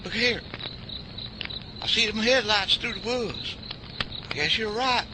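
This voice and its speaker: Guy doing a squeaky high backwoods dude, jumpy n defensive, crickets loud behind. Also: measured pace, heavy background noise. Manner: defensive, drawling backwoods talk. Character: jumpy trigger-happy backwoods man, Jesse.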